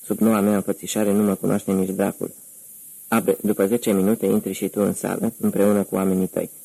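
A man's voice: lowish voice, level tone, gravelly, warm tone, slightly rough, low-quality recording. Man as a curt, commanding gang boss. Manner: curt, giving orders. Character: commanding male gang leader in disguise.

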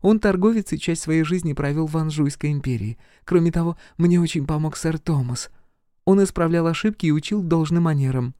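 Man voicing a young commoner girl, polite, humble, raised pitch, close dry sound. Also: brisk, no room sound, lightly acted. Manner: respectful, soft, humble.

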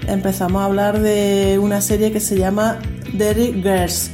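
A woman hosting a relaxed radio chat, chatty and quick to laugh, often starting a sentence over. Her voice sits at an ordinary middle pitch. Music plays clearly beneath her. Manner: chatty, laughs easily, many restarts. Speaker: radio host. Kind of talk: casual radio chat reviewing a series.

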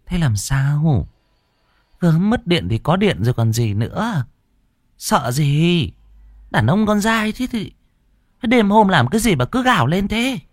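Guy putting on a naggy worried mom voice, higher, scolding, dry. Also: very animated, a little slow, pauses often, no room sound. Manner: nagging, scolding. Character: fretting middle-aged mother, scolding, nagging.

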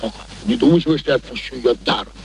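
A man's voice: mid-range voice, very fast, vocal fry, a little mellow, natural voice, rough recording. An actor in a radio play playing a sly, wheedling working-class father, theatrical and ingratiating in his manner. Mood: frank haggling. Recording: old radio recording with background noise.

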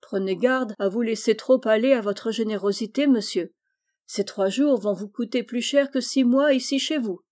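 A thrifty, devout servant woman, read by a woman storyteller, earnest and full of warnings. The voice is fairly high, mellow and soft-toned. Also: normal speed, close to an everyday voice. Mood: cautioning.

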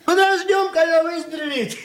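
A tipsy clowning son-in-law. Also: male voice, very high-pitched, fairly even intonation, normal speed, a bit bright, echoey room. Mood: sly. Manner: mock-pious, clowning, theatrical. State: drunk. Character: tipsy, showy male merchant's clerk son-in-law. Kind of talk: 1980s radio play acting.

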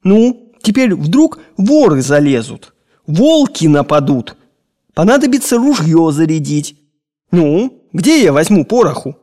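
A man reading an audiobook, voicing a grumbling, tyrannical old gentleman with a nagging, theatrical way of talking. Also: fairly high pitch, very animated, slow, voice pushed up, full character voice. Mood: scolding.

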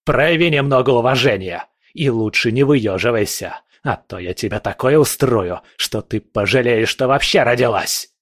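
Man putting on a hoarse rebel man, growling, slow, dry sound. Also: fairly low pitch, no echo. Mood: bitter. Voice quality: hoarse, raspy. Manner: growling through teeth. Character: raspy furious male rebel leader.

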